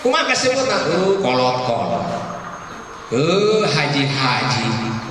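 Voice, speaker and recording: A man's voice: mid-range voice, big pitch swings, slow pace, background noise. A man with a Sundanese Indonesian accent preaching to a gathering as a Muslim preacher, in an emphatic, folksy way, putting rhetorical questions to his listeners. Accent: Sundanese-region Indonesian. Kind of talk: religious sermon to a gathering, mixing languages. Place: large echoing venue at a school event. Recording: echoey hall PA, distant, crowd behind.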